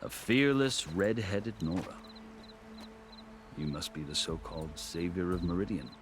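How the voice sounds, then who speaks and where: An eloquent, low-voiced tribal warrior-diplomat. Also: male voice. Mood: warm authority. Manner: measured, eloquent, formal, declamatory. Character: male veteran tribal warrior turned aspiring diplomat, commanding, courteous. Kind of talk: dramatic video game dialogue acting. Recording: game audio with music behind.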